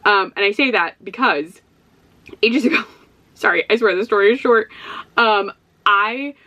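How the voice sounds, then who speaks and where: A woman's voice: medium pitch, unhurried, pushed and bright, dull audio. Chatty Midwestern woman rambling to camera. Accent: Midwestern American. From Ohio, USA. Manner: chatty, rambling, giggly, lots of "like" and "um". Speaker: book vlogger. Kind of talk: casual chat to camera.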